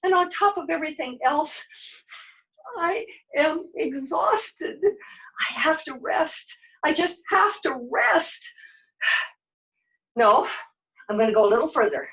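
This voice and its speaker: Puppet-show heroine, woman performer: high, swooping delivery, weary, muddled, dramatically exclamatory. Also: animated, takes it slowly, pauses often, fairly bright tone, exaggerated voice. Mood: despairing, exhausted. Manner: dramatic, self-talking, exclamatory. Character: scatterbrained, weary, exasperated heroine of a fairy-tale quest. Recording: dull lo-fi sound.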